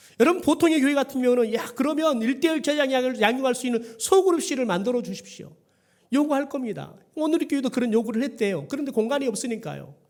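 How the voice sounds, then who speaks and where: At a very fast pace, a man talks with an extremely high pitch. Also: ordinary pitch variation. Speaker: pastor. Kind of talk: sermon. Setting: church.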